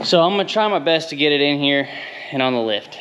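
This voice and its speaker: The pace is fairly quick. It's a man talking. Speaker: car builder vlogger. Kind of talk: casual vlog chat. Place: workshop. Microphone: phone near.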